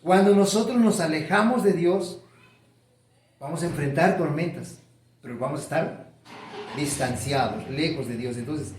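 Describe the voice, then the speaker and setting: A man's voice: a little high, reverberant, slight background noise. A man preaching a sermon, stretching key words and building emphasis. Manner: preaching with rising emphasis and drawn-out stresses. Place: church sanctuary.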